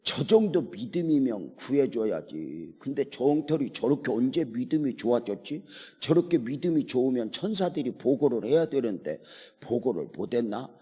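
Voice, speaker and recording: A male pastor preaching a sermon in a church, telling a story and at times dropping to a soft near-whisper. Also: mid-range voice, sing-song, moderate pace, husky. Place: church sanctuary. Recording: long hall reverb.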